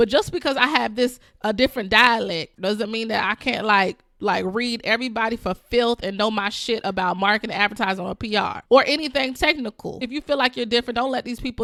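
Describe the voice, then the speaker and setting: A woman with a strong Southern US accent talks at a fairly quick pace in a bright, sharp tone and fairly high pitch, in a very clean recording with a silent background and a dry, close sound with no echo. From US South. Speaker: podcast co-host. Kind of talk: casual chat.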